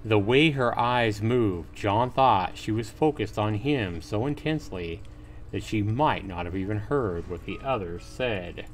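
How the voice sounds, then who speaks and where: A man's voice: lowish voice, a little slow. A man hosting a livestream, reading a visual novel aloud as a narrator with casual asides. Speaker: livestream host. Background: faint music.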